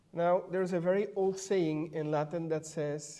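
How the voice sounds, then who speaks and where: A man with a Dutch accent speaks at a fairly slow pace, his tone dark and mellow and his intonation fairly even. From Netherlands. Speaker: EU official. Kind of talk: panel speech.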